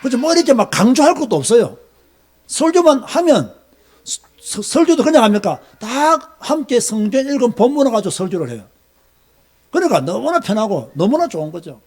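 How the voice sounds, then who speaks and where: A man's voice: extremely high pitch, big pitch swings, a little fast, a little mellow. A middle-aged man with a Gyeongsang Korean accent, preaching as a pastor in an emphatic, scolding way, firing off rhetorical questions. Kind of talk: sermon lecture.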